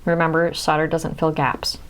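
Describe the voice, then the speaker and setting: A woman with a low, monotone Midwestern American voice walks through a jewelry soldering demo step by step at a moderate pace. As an instructor she is friendly and explanatory, and she sometimes drops to a near-whisper while concentrating. There is slight background noise.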